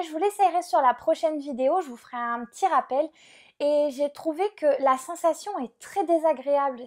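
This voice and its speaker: Young woman, high voice, chatty, casual unboxing vlog, lots of fillers, indoors at home. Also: a little mellow. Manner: chatty, many fillers and "donc". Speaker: beauty vlogger.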